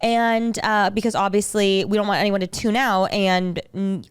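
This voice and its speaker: A woman's voice: medium pitch, fairly even intonation, moderate pace, clear, resonant tone, no room sound. A young woman co-hosting a podcast, chatting in an upbeat, earnest way. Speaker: podcast co-host. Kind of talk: casual chat.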